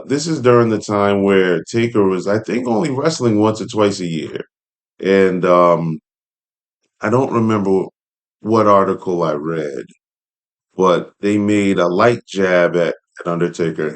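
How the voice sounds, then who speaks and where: Low-pitched man hosting a commentary. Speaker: host reading an article aloud with commentary. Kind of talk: casual commentary with read-along asides.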